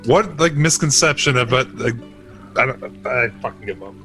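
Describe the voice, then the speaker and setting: A man's voice: medium pitch, lively intonation, normal speed, fairly bright tone, faint music behind. A man playing a tabletop role-playing game, casual in his banter, grumbling and questioning.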